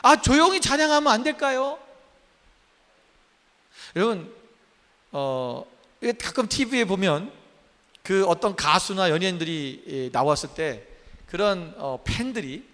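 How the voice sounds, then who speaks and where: A man's voice: high voice, big pitch swings, a little slow, long pauses, a bit bright, long reverb tail. A man in his fifties, a pastor preaching a sermon in a church, emphatic and full of questions to the congregation. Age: 50s. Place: church sanctuary.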